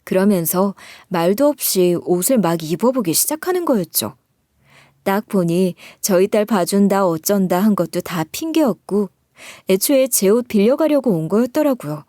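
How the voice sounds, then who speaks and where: Mellow woman telling a story. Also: medium pitch, animated, moderate pace, no echo, studio quality. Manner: aggrieved, confiding storyteller. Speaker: story narrator. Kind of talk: first-person story narration.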